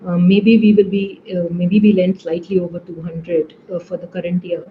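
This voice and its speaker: A woman's voice: lowish voice, level tone, normal speed. A woman with an Indian accent speaking as a finance executive, answering questions on an earnings call. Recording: dull call line, faint noise.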